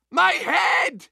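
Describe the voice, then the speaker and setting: An actor playing a manic bird-headed mad doctor in a video game. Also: male voice, very high voice, vocal fry, bright, forceful tone, no room sound, studio quality, full character voice. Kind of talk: theatrical video game acting.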